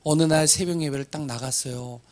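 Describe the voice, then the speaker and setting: A hoarse man preaching a sermon, asking rhetorical questions and swinging from loud cries to hushed asides, stumbling over words now and then. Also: a little high, a little fast.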